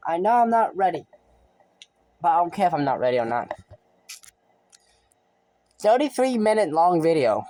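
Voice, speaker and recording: A man's voice: fairly high pitch, sing-song, normal speed, pauses often, mellow, slight background noise. A young man casually commentating his own gameplay as a streamer, rambling and thinking aloud, often trailing off mid-sentence. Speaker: gaming streamer.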